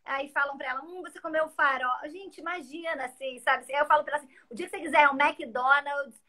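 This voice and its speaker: Bright, high-voiced Brazilian woman host. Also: fairly even intonation, quick pace. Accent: Brazilian Portuguese. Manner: agreeable, backs up the guest with short affirmations. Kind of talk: casual conversational interview.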